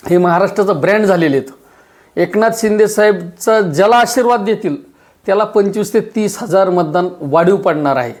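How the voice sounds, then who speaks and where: Forceful high-voiced politician. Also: male voice. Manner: forceful, declarative, repetitive. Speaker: local party leader. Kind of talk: press statement.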